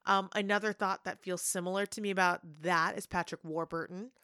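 A woman co-hosting a podcast, animated in casual chat about film casting, acting out lines now and then. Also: mid-range voice, brisk, clear, resonant tone, no room sound, clean studio sound. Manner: animated, acts out quoted lines. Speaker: podcast co-host.

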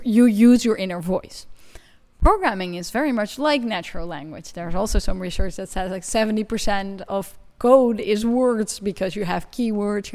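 A woman whose first language is not English, explaining her research with enthusiasm in an interview. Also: mid-range voice. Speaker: guest researcher. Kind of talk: conversational interview.

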